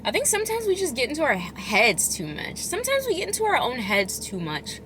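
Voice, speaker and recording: A woman chatting casually as a food vlogger, chewing while she talks, rambling and expressive with emphatic delivery. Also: high-pitched, brisk, noisy background. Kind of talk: casual chatty eating vlog.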